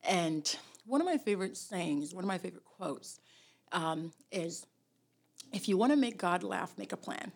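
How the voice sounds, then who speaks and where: A woman from Somalia and Tennessee with a husky voice, telling her story casually as an interview guest. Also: lowish voice, expressive, normal speed, a little mellow. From born in Somalia, grew up in Tennessee, US. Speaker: interview guest, immigration lawyer.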